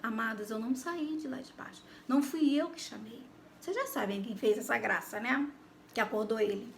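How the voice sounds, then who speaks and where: A woman's voice: a little high, fairly quick, creaky, a little hiss or hum. A Brazilian woman with a Brazilian Portuguese accent telling a personal faith testimony, talking animatedly and addressing her listeners directly. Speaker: Christian YouTuber giving testimony.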